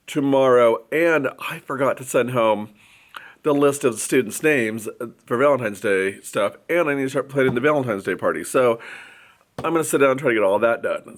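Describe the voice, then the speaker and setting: Male first-grade teacher, casual vlog chatter, loose and self-correcting, ordinary mid-range voice. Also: mid-range voice. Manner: rambling, self-correcting, thinking aloud. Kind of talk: casual vlog chat to camera. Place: school classroom.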